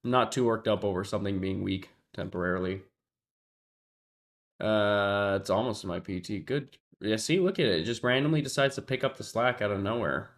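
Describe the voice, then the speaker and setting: This is a man's lowish voice at normal speed, a livestream trader giving casual commentary through a congested, sniffly nose. He muses aloud, talks to his viewers in chat and frequently trails off mid-thought.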